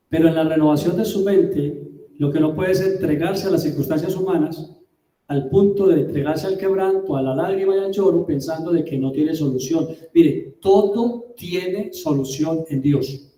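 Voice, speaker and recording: A man preaching a sermon as a pastor, emphatic, with rhetorical questions and drawn-out words. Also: fairly high pitch, dark tone. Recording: roomy, distant mic.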